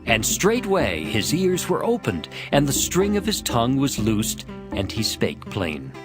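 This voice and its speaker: A man narrating a dramatized scripture reading in a measured, formal manner. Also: mid-range voice, huge pitch swings. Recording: music under the voice.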